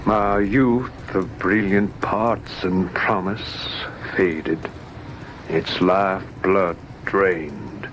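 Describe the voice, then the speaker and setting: A man acting a haunted, grieving son who narrates a ghost tale in a solemn, dramatic old-time radio style. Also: deep voice. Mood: bleak, despairing. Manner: slow, solemn, dramatic delivery. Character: haunted, grieving son recalling his father's fate. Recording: noisy old radio recording.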